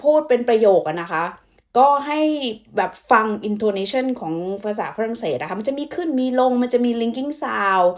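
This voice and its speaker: A woman from Thailand talks straight to her viewers in a casual vlog. She is chatty and relaxed and fills her pauses with little fillers as she explains. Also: a little high. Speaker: vlogger.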